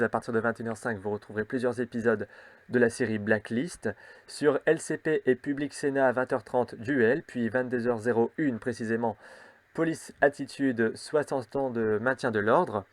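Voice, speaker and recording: A man hosting a show, briskly reading out the evening TV schedule with casual asides and the odd filler. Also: medium pitch, dry recording. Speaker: host.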